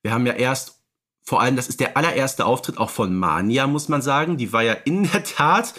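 A man's voice: medium pitch, expressive, brisk, pushed and bright. A man co-hosting a fan podcast in casual chat, hesitant, searching for words and correcting himself as he goes. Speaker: podcast co-host.

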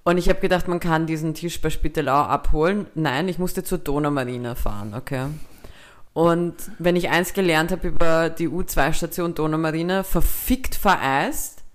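A woman's voice: sits low, normal speed. A young woman with a Viennese Austrian accent, co-hosting a podcast. She tells a story in casual chat, swears freely, drops English slang and acts out both sides of the dialogue. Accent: Viennese Austrian German. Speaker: podcast co-host.

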